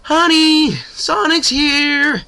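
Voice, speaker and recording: A man voicing a caring, worried mother of a teenage boy in a storybook reading, with his voice pitched well up. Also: steady tone, very slow, creaky, sharp tone, full character voice. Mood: calling. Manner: raised high motherly calling.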